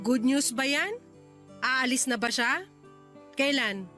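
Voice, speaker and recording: A sharp-tongued angry wife. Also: female voice, high voice, animated, slow pace, soft background music, heavily acted. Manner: heated, scolding. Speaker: radio drama actress. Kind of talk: radio drama acting.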